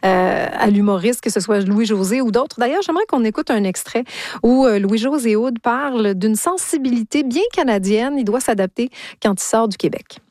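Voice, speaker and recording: A woman hosting a radio interview, asking questions in a clear, measured way. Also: a little high, animated, a little mellow, no room sound, clean studio sound. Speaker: radio host.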